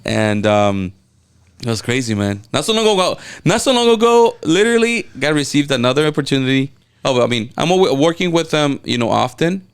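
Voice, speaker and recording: A man with a Mexican Spanish accent, a native Spanish speaker, chatting as a guest and telling excited stories with many restarts. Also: medium pitch, fairly quick, clean tone. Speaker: guest, event videographer. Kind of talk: casual interview chat.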